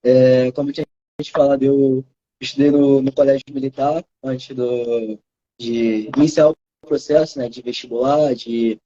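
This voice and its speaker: A young man in his twenties with a Carioca accent, a student answering interview questions over a video call in a soft-spoken, modest way. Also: medium pitch, steady tone, moderate pace, dull audio. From Rio de Janeiro, Brazil. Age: 20s. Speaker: student approved in medicine.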